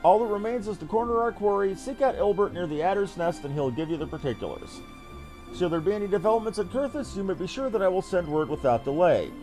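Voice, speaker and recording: A man reading game dialogue aloud as a composed fantasy leader, formal, measured and eloquent in phrasing. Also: sits high, animated, dark tone, soft background music. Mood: composed, purposeful.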